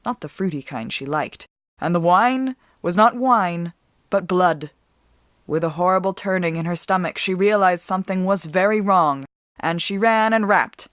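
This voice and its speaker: Low-voiced, expressive woman storyteller. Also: no echo, clean studio sound. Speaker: author and storyteller. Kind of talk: dramatic scripted story narration.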